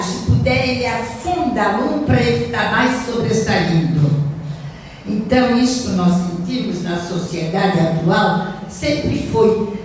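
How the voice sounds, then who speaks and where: An older woman giving an earnest spiritist lecture at a stand mic, reading from notes and speaking with deliberate emphasis in a small hall. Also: mid-range voice, a little hiss or hum. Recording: roomy hall echo from a distant camera.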